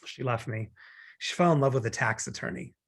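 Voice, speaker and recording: An actor playing a wry, morbidly joking man going through a divorce, in a raspy voice, in a romantic comedy table read. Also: medium pitch, fairly quick, lightly acted. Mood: rueful. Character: Harry, wry, morbidly joking, newly divorcing male consultant.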